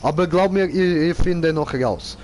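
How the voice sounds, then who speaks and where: A man's voice: fairly high pitch, a little slow, darkish tone, a little hiss or hum. A man giving casual live gaming commentary in clownish, slangy broken grammar, as a streamer. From Switzerland. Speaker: game streamer.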